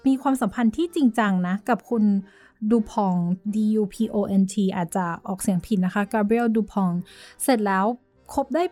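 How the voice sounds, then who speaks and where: A woman's voice: mid-range voice, expressive, a little fast, mellow, no echo, soft background music. A woman co-hosting a podcast, telling a story in a chatty, hesitant way and dropping in English words. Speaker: podcast co-host. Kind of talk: casual chat.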